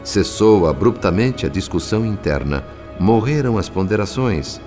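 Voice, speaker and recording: Speaking in a low, somewhat dark voice with lively intonation, a Brazilian-accented man narrates a radio drama from a script in a solemn, formal way. His pace is moderate, and soft music plays in the background.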